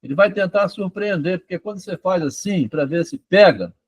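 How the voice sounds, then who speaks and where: A husky man with a slightly high voice chats at length in a casual, meandering way, often tagging his sentences with little checks to the listener. The sound is dry and close, with no room around it. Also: expressive, moderate pace, no room sound, low-quality recording. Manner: rambling, frequent "tá?" and "né?" checks. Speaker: author discussing his doctoral thesis. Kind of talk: casual conversation about psychoanalysis and literature.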